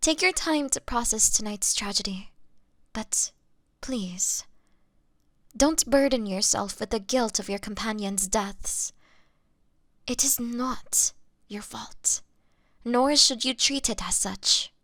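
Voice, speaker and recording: A woman playing a gentle young female vampire in an audio roleplay, apologetic and halting, with a breathy voice that often drops to a whisper. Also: on the high side, dry recording, clean studio sound. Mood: gentle, consoling. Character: gentle young female vampire, remorseful, fighting her bloodlust. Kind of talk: scripted dramatic audio roleplay monologue.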